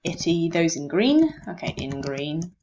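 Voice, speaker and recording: Slow, low-voiced woman teaching word stress. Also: big pitch swings, darkish tone, a little hiss or hum. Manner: slow, thinking aloud, self-correcting. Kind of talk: explaining word stress over a screen recording. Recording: dull lo-fi mic with faint keyboard clicks.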